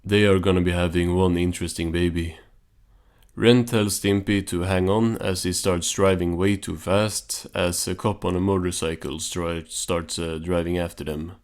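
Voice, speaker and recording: Low-voiced man giving offhand commentary. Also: steady tone, moderate pace, very noisy. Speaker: cartoon recap host. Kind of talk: casual recap commentary.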